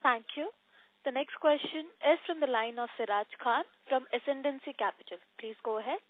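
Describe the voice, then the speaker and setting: A woman makes scripted announcements as a conference call moderator. Her voice is high, and it comes dry through a narrow phone line. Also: normal speed, no echo.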